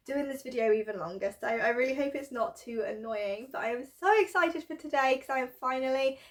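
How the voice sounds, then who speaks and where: Young woman with a stuffy cold voice, slightly high, bubbly vlog chat from her bedroom. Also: fairly quick. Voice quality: bunged up, nasal. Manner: chatty and bubbly. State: congested with a cold; out of breath. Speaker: home vlogger. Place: bedroom at home.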